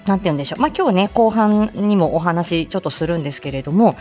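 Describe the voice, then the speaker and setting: A woman's voice: on the low side, expressive, fast, mellow, faint music behind. A woman hosting her weekly morning live stream as a speech therapist, chatting in a flustered way with many fillers and little laughs. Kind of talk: casual solo live stream.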